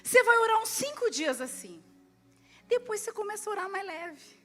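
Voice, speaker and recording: High-voiced Brazilian woman pastor preaching. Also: moderate pace. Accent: Brazilian Portuguese. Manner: lively, swinging between loud and hushed; acts out prayers and dialogue. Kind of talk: sermon. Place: church service.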